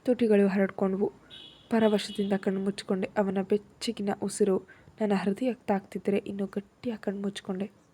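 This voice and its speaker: A woman's voice: medium pitch, flat delivery, normal speed, dark tone, breathy edge. A woman reading a first-person romance story aloud, expressively acting out the heroine's feelings.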